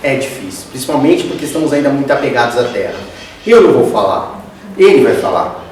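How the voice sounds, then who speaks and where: A man's voice: mid-range voice, big pitch swings, brisk, slight background noise. A man with a Brazilian accent giving a conversational spiritist lecture, often addressing the audience directly as "gente". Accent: Brazilian Portuguese. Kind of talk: religious lecture. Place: lecture hall. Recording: echoey hall, distant mic.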